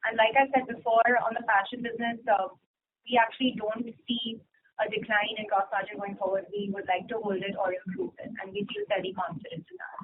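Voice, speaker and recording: Higher-voiced woman on a noisy phone line. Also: brisk. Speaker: company executive. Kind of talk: explaining figures on an earnings call.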